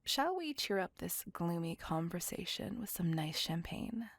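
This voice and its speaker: A woman voicing a possessive, devoted female vampire on a date, speaking in a soft, close, apologetic and doting whisper. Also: lowish voice, sing-song, a little slow, no room sound, heavily acted. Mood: tender whisper. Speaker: voice actor. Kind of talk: ASMR roleplay whispering.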